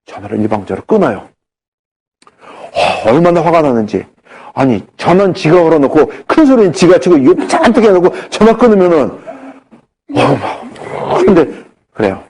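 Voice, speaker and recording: Brisk and husky, with a pitch a little on the high side, a middle-aged man delivers a health lecture. He livens it up with anecdotes, performing the characters' dialogue himself.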